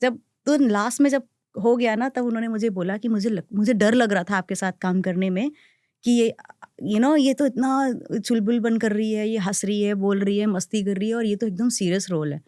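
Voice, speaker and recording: A woman's voice: medium pitch, moderate pace, no echo. A woman actress speaks as a podcast guest, swinging freely between Hindi and English as she tells her stories. Her voice sits in an ordinary middle register. The recording is close and dry, with no room sound. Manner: animated, acts out others' quotes. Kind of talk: podcast interview chat.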